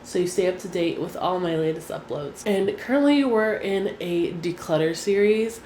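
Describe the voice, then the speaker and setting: A woman's voice: fairly low pitch, moderate pace, warm tone. A young woman with a stuffy, nasal voice from a cold, chatting casually as a beauty vlogger and often saying "like". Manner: chatty, frequent "like" fillers. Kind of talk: casual chat. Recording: echoey room, faint room hum.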